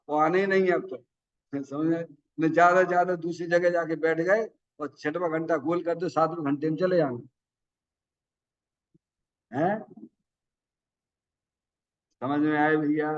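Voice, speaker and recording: A man giving a sermon in a folksy, chatty way, often asking the listeners whether they understood. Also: fairly high pitch. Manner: folksy, asks the audience questions. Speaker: Jain preacher. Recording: dull sound from far off the mic.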